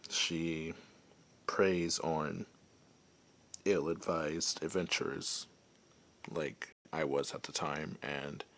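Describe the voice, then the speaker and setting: Male performer as friendly werewolf ex-adventurer for ASMR audio roleplay; deep register, slow delivery, softly amused, conversational. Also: exaggerated voice. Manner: hesitant, unhurried, softly amused.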